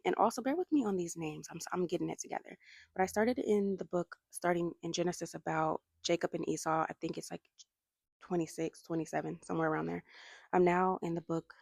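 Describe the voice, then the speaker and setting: Woman chatting outside, husky gravelly voice, low-ish, acts out the quotes. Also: a little mellow, no room sound, studio quality. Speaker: vlogger. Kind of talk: casual Bible study recap. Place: outdoors near traffic.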